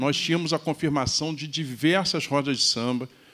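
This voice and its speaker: Here a man talks at a moderate pace with fairly even intonation, in an ordinary speaking voice. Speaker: lawyer. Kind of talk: public hearing speech. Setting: legislative hearing room. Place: meeting room. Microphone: podium.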